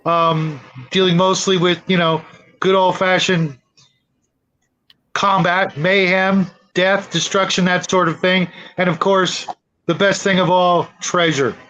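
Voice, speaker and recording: A man's voice: high-pitched, little pitch movement, takes it slowly, pushed and bright, poor audio. A man hosting a casual online panel discussion, chatting informally with the other guests. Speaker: host of online roleplaying panel.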